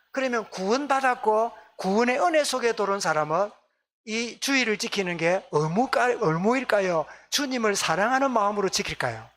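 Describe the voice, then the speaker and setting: A man's voice: high voice, a bit bright. A male pastor with a Gyeongsang accent preaching a Sunday sermon, often asking the congregation questions and repeating their answers. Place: church sanctuary.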